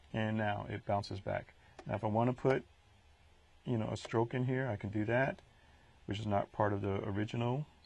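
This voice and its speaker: Fairly low-pitched and somewhat breathy, a man talks at a fairly quick pace with fairly even intonation and long, frequent pauses against a quiet background. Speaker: software tutorial instructor. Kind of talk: tutorial. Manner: casual, with fillers.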